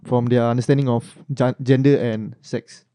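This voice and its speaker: A man's voice: mid-range voice, fairly even intonation, moderate pace, warm tone, no echo. A man chatting on a casual podcast in colloquial Southeast Asian English, Malaysian or Singaporean, slangy and repetitive, peppered with lah and tag questions. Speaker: podcast panellist.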